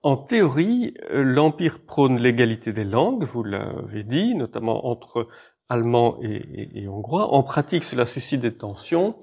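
A man, interviewing a guest with polite, measured questions. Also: mid-range voice, big pitch swings, darkish tone.

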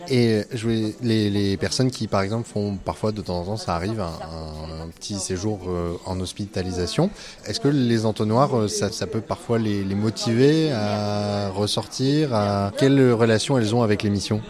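A man asking interview questions in a halting way. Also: on the low side, music in the background.

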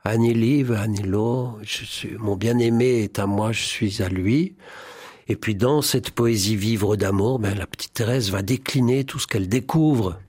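A man's voice: fairly low pitch, a little slow, a little mellow, breathy edge, no room sound, clean studio sound. A man guest in a spiritual radio interview, speaking in a fervent, preacherly way and often quoting scripture. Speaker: priest and songwriter, interview guest.

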